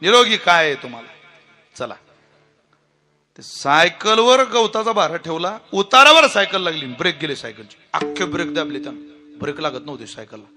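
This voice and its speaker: Bright-voiced male kirtan preacher. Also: fairly high pitch, sing-song, moderate pace. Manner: storytelling with jokes and chanted verses. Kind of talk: comic devotional kirtan.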